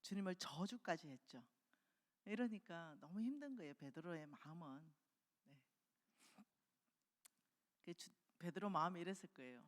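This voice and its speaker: A woman delivers a revival sermon, retelling a story and voicing its characters with animated energy. Her voice sits a little low, and it rings out with a long reverb across a church hall. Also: moderate pace, pauses often. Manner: animated storytelling, acting out quoted dialogue. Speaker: preacher. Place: church sanctuary.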